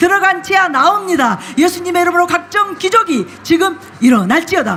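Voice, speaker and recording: A woman's raised, projected voice at an extremely high pitch and moderate pace, amid noticeable background noise. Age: 60s. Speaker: pastor. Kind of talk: sermon with healing declarations. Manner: loud, emphatic commanding declarations.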